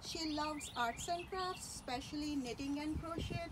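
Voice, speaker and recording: A high-pitched woman's voice gives a eulogy over clearly audible background noise. Her delivery is faltering and tender, moving in short, careful phrases. She speaks with reverence, as a daughter remembering a parent. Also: normal speed. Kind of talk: personal eulogy speech.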